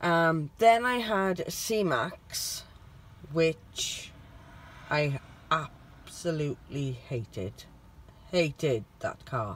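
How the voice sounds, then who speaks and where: Delivered at a very slow pace with long, frequent pauses, the voice sounds dry with no echo. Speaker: car owner vlogger. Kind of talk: casual vlog chat. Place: car. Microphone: phone near.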